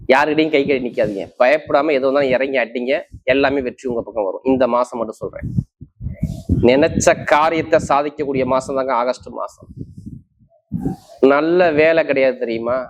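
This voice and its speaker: A man's voice: mid-range voice, rough recording. Emphatic man giving horoscopes. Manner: emphatic, repetitive, listing points in short bursts. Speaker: astrologer presenting horoscope forecasts. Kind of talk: monthly horoscope talk to camera.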